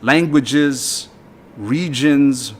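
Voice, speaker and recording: An American man hosting a casual conversation, talking emphatically and getting animated when he mocks how people talk. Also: mid-range voice, drawn-out words. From United States. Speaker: host.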